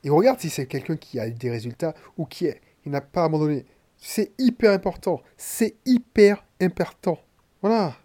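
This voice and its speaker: A man's voice: fairly high pitch, normal speed, dark tone. A man from Martinique with a head cold, a podcaster and coach talking bluntly and slangily straight to the listener in a casual monologue.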